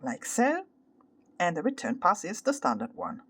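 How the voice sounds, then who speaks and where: A woman with an Italian accent, a native Italian speaker, explaining a craft tutorial carefully, step by step and with pauses. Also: lowish voice, wildly swooping pitch, a bit bright, breathy edge. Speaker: crochet tutorial host. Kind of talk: instructional craft tutorial, unscripted.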